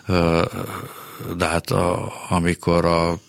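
A male writer answering interview questions slowly, with many pauses and fillers, trailing off softly. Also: sits low, completely flat delivery, clear, resonant tone, dry recording. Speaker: writer and guest. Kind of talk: radio interview. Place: radio studio.

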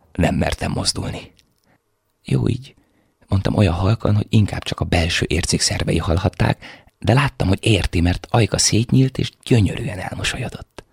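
An actor reading a novel aloud for radio, narrating in a measured storytelling way. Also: male voice, low voice, gravelly, breathy edge, no room sound, studio quality.

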